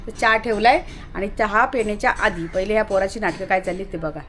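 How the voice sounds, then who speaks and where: A woman vlogging casually from her house under renovation, chatting and calling out loudly to her dog. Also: mid-range voice, steady tone, fast. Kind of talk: casual home vlog.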